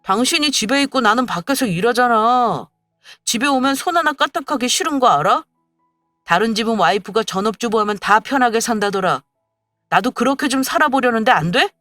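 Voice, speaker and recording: A woman's voice: fairly high pitch, animated, fairly quick, a bit bright, no echo, clean studio sound, soft background music, pitched above the performer's own voice. A woman voicing a young husband who argues defensively and pleads with his wife in a storybook radio drama.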